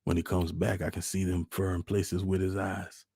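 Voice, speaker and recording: Storybook father acted by a man: rural Southern, deep, raspy, folksy, gentle and wistful. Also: flat delivery, normal speed, dry recording, studio quality. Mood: firm, wistful. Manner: folksy, consoling, plainspoken. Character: gentle, wistful country father of a small boy.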